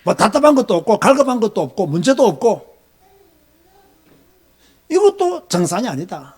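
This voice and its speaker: A man's voice: sits high, sing-song, normal speed, darkish tone. A middle-aged man with a Gyeongsang Korean accent, preaching as a pastor in an emphatic, scolding way, firing off rhetorical questions. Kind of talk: sermon lecture.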